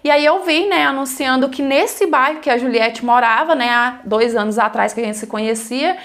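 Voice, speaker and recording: A woman's voice: sits high, normal speed, fairly bright tone. A woman, telling a dramatic life story in a plain, conversational way full of fillers. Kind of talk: first-person life story narration.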